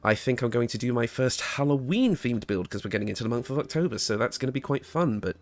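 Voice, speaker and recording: A man giving a casual, conversational video game guide, with a slightly raspy voice, a little hoarse from being under the weather. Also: medium pitch, expressive, fast talker. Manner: informal, conversational. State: getting over an illness, slightly hoarse. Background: background music.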